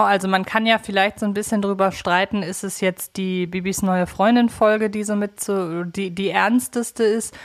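A woman hosting a podcast in a conversational style. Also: mid-range voice. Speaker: podcast host.

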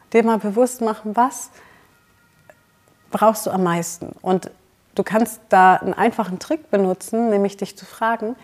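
A woman's voice: mid-range voice, a little mellow. A woman from Germany hosts a self-help podcast, coaching the listener directly. Her delivery is encouraging and personal, with plenty of casual asides. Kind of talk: motivational podcast talk.

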